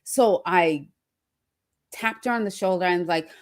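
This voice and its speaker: A woman's voice: on the low side, a little slow. A woman from Trinidad and Australia giving a motivational talk as personal storytelling, emphatic and repeating phrases for effect. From born in Trinidad, raised in Australia from early childhood. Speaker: personal branding speaker.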